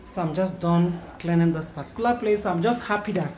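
A Nigerian-accented woman in her thirties, a mother who vlogs, chats casually to a tripod-mounted camera in her small home kitchen, often repeating herself and breaking into playful self-praise. Her voice is on the low side, a little fast and a little mellow, and the home camera recording is noisy.

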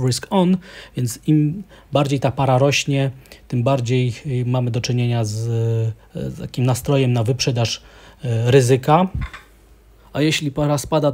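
A man with a mellow, darker voice delivers steady market commentary as an analyst. He talks in a measured way, pausing often with small hesitations as he works through each chart. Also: mid-range voice.

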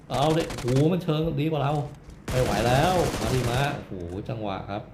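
A man giving loud, rowdy live commentary while playing a shooter game, swearing and yelling during fights. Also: medium pitch. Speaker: gameplay streamer. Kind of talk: casual live gameplay commentary. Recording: echoey room with faint game noise. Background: gunfire from the game.

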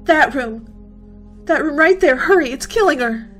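A woman playing a hysterical young college girl in a radio horror drama, gasping out halting, repeated pleas for help. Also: high-pitched, expressive, a bit bright, soft background music. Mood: panicked. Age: young adult. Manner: frantic, gasping, halting and repetitive. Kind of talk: amateur radio horror acting. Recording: noisy home-recorded radio drama.

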